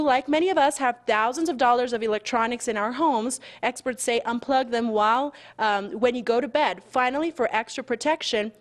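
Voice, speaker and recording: A woman with an American accent reporting for local TV news as a field reporter. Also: on the high side.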